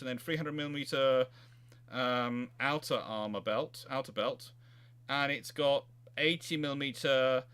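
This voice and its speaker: A man's voice: mid-range voice, a bit bright. A man hosting a history live chat, talking casually and technically, often repeating words and restarting his phrases.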